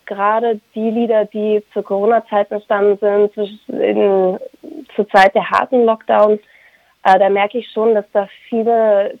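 A young woman, a Ukrainian native speaker from Germany, giving thoughtful interview answers as a singer and violinist, pausing to search for words. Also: medium pitch, gravelly, dry recording. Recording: dry, tinny phone-like line.

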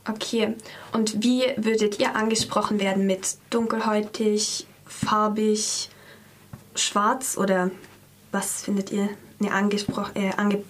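A woman's voice: mid-range voice, level tone, a little slow, a little hiss or hum. A woman interviewing two guests, asking questions casually with frequent fillers.

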